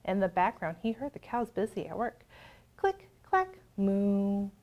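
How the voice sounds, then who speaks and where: A woman reading a children's picture book aloud, expressive, with singsong sound effects. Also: medium pitch, normal speed, highs cut off. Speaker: storyteller. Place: public access TV studio.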